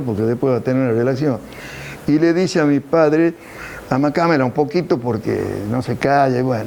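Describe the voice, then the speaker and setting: Clear background noise behind a man, mid-range in pitch, his voice rising and falling in a typical way. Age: 70s. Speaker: son of immigrants telling family history. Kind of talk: personal storytelling interview.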